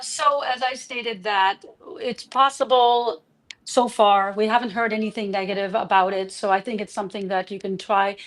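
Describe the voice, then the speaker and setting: A woman speaking as a guest expert, answering questions with practical advice. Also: on the high side. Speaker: immigration attorney guest. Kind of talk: answering questions, advisory talk.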